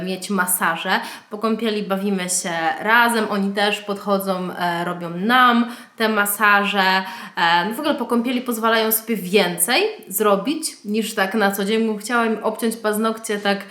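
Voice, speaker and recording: A woman in her thirties, a mother vlogging at home, showing speech games to toddlers and chanting sounds for them. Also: medium pitch. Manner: lively, sing-song sounds for toddlers. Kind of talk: casual vlog demonstration. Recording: echoey home room with noise.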